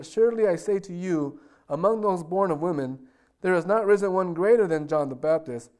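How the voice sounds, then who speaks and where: A man preaching a sermon, telling stories with sudden loud bursts and hushed, quiet asides. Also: fairly high pitch. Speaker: pastor.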